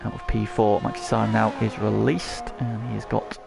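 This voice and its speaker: Gravelly man, motorsport commentator. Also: on the low side, level tone, moderate pace, music in the background. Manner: narrates action in short present-tense phrases. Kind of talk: motorsport commentary on an online sim race.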